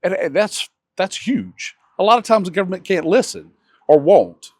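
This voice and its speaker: A man's voice: high-pitched, very animated, moderate pace, no room sound. A man with a big, enthusiastic voice chats about his town and business. He restarts sentences often, and the sound is dry and close. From North Augusta, South Carolina. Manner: loud, hesitant with restarts, enthusiastic. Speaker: local business owner guest. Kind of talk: casual interview chat.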